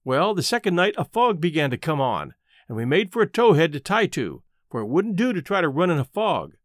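A man's voice: fairly high pitch, sing-song, a little fast, no echo, studio quality. A man reading an audiobook as a plain-spoken, matter-of-fact Southern boy telling his own story. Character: Huck, a folksy, matter-of-fact adolescent Southern boy narrator. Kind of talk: first-person audiobook narration.

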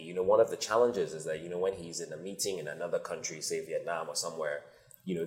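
A man from Nigeria, a company founder, answering interview questions in a measured, thoughtful way with frequent pauses. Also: sits low. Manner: measured, thoughtful, many ums.

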